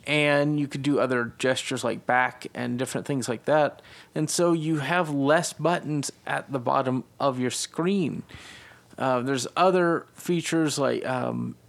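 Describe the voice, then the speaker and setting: Gravelly-voiced man hosting a tech chat. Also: medium pitch, a little slow. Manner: relaxed, explains at length, leads the discussion. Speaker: podcast co-host.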